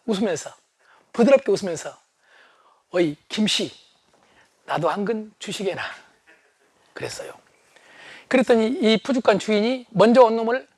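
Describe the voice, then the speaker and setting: A middle-aged man giving a humorous leadership lecture, animated and often shouting for emphasis. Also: very high-pitched, no room sound.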